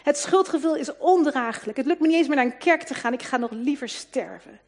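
A woman's voice: sits high, a little fast. A woman reading aloud the pleading words of a despairing woman overwhelmed by guilt. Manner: pleading, broken.

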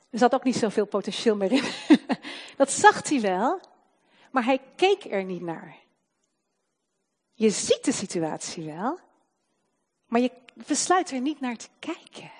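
A woman delivers a sermon in a voice pitched a little high. She swings between loud, fervent proclamation and soft, slowed emphasis on key words. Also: lively intonation. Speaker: preacher.

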